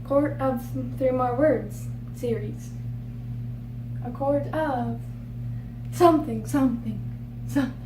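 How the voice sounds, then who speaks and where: A woman's voice: high-pitched, slow, pauses often. A young woman talking casually to camera about books she wants to read, chatty and rambling, often stumbling over names. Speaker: book vlogger. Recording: roomy echo, distant mic, noticeable hum.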